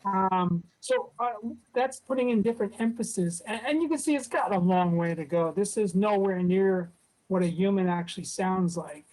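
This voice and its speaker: Woman showing off robot voice software on a zoom call, mellow voice, lots of ums. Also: mid-range voice, moderate pace, poor audio. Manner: relaxed, with many fillers. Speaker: presenter at a robotics club meetup. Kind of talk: casual demo presentation. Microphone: video call.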